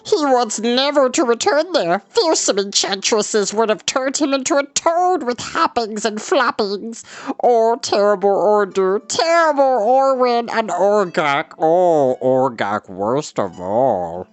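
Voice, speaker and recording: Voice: medium pitch, expressive, slow pace, no echo, pitched above the performer's own voice. A storybook reader voicing an eager, fretful, loyal male shaggy creature with pleading, wailing, rhyming speech. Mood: terrified, wailing. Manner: rhyming, pleading, wailing speech, refers to himself in third person. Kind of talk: children's storybook character reading.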